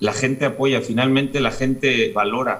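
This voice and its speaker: Medium-pitched man at a moderate pace, with noticeable background noise. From Mexico. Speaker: entrepreneur. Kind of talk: radio/TV interview.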